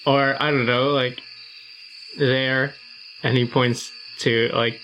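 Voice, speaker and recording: Halting man over noisy night ambience. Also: mid-range voice, flat delivery, bright, forceful tone. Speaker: tabletop game player. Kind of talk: casual improvised role-play.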